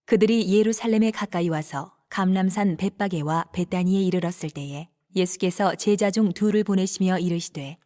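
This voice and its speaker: A woman narrating scripture from a script in a measured, formal manner. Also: lowish voice, mellow. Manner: measured, formal read delivery.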